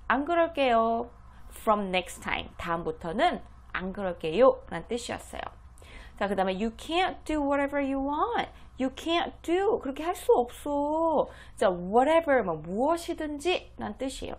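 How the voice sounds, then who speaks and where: A woman giving a home English lesson, explaining each phrase and repeating the English lines slowly. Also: fairly high pitch, darkish tone. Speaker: English teacher for parents. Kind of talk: slow, deliberate language lesson.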